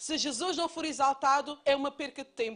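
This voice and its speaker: A woman speaks with a Madeiran accent at a moderate pace. Her pitch is high and her intonation fairly even, against a quiet background. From Madeira, Portugal. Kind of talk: church talk presenting her book. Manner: hesitant, with fillers.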